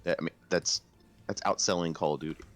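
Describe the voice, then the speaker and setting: A man's voice: low-pitched, fairly even intonation, brisk. A man co-hosting a casual podcast, talking about video games in an emphatic, enthusiastic way. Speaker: podcast co-host. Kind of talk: casual video game discussion.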